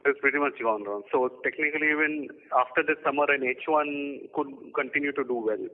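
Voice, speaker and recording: A man's voice: mid-range voice, fairly quick, a little hiss or hum. A man calling in as an analyst, putting questions on an earnings call. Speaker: investor analyst caller. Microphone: phone. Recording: thin phone line.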